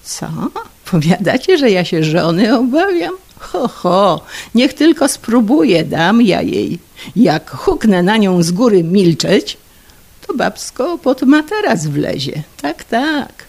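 A woman's voice: mid-range voice, extremely slow, darkish tone, husky, exaggerated voice. A woman voicing a boastful, tipsy middle-aged husband who blusters over drinks but turns meek and stammering before his wife.

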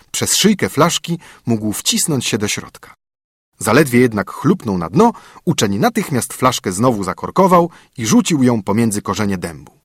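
A man narrating a storybook reading in an expressive, animated way, with a husky voice. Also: mid-range voice, no room sound, studio quality.

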